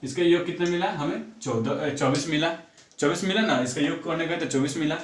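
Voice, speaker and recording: A man with a somewhat high voice teaches a math lesson a little fast, repeating numbers aloud as he works sums and posing questions he then answers himself. The recording sounds echoey, with him far from the mic.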